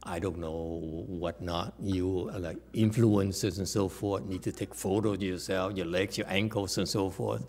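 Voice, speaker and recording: A man teaching as a Buddhist master, answering questions in a halting way with long hesitations and repeated words. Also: sits low, fairly even intonation, vocal fry, a little mellow.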